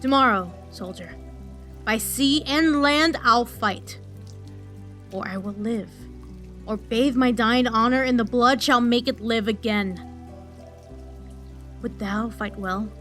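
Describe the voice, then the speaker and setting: A woman's voice: fairly high pitch, slow pace, long pauses, a bit bright, faint music behind. A woman acting a weary, honour-bound military leader in a Shakespearean audio drama, with stately, declamatory delivery. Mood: resolute, generous.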